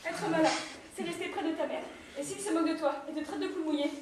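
Theatre role: actress as anguished scolding mother, very high voice, declamatory, caught in a very echoey hall. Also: quick pace, distant mic, background noise. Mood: lamenting. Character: protective, lamenting mother of a would-be soldier. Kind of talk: theatrical stage acting. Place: theatre stage, indoors. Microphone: far camera in audience.

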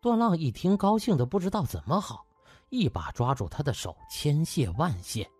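A male audiobook narrator reads in a dramatic storytelling style. His delivery is very expressive, with a somewhat husky tone and faint music underneath. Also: a little high, moderate pace, no echo.

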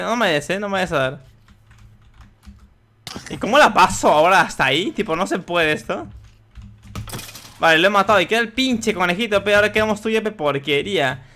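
A young man giving excitable gameplay commentary, swearing and yelling at the game as he plays. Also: sits high. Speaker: gaming youtuber.

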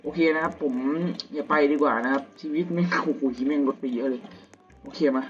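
A young man, still a student, giving casual gameplay commentary at home at night, slangy and crude with excitable outbursts. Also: fairly high pitch, brisk. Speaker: gamer. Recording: dull lo-fi audio with game music.

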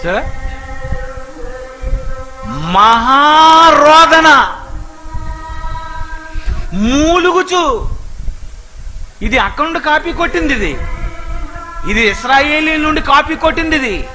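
A man preaching a sermon with an animated manner, asking his listeners question after question. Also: very high-pitched, brisk, soft background music, rough recording.

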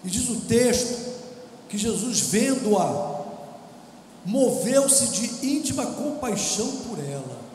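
A man, a visiting pastor, preaching a fiery sermon in a large church, shouting and half-singing some lines. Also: high voice, very animated, takes it slowly. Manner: shouts and sings lines, acts out quoted believers. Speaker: guest pastor. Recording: echoey church hall, distant mic, faint noise.

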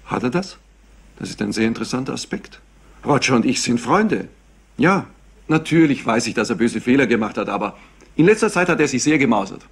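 An actor playing a solicitous company confidant in a crime drama, reassuring and insistent. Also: male voice, mid-range voice, lively intonation, fairly quick, gravelly, breathy edge. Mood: measured, guarded. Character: solicitous, smooth-talking male company confidant. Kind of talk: German crime drama acting.

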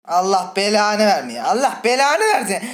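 A woman playing a horror game and commenting with a Turkish accent, chatty and full of swearing, breaking into startled high shrieks. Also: sing-song, normal speed. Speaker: gaming channel host. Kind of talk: let's play commentary. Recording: faint game music behind.

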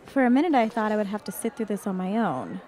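A woman's voice: medium pitch, sing-song, fast, warm tone, lightly acted. A woman playing a friendly, chatty friend in an audio drama. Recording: faint crowd chatter behind.

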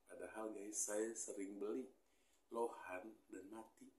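A man's voice: lowish voice, steady tone, measured pace, a little mellow, reverberant. A man in his thirties chatting casually to camera in a small room, thinking aloud with lots of fillers and mild grumbling. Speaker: hobby vlogger. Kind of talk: casual unboxing chat. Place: small indoor room with pink wall.

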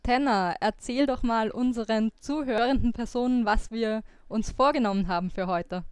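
Smooth-voiced woman podcaster from Austria. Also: a little high, normal speed, darkish tone, no room sound. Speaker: podcast co-host. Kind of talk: casual podcast discussion.

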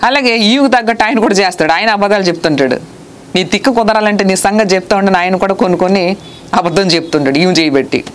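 A woman's voice: mid-range voice, quick pace, a little hiss or hum. Earnest woman preacher scolding her flock. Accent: Telugu. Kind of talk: sermon.

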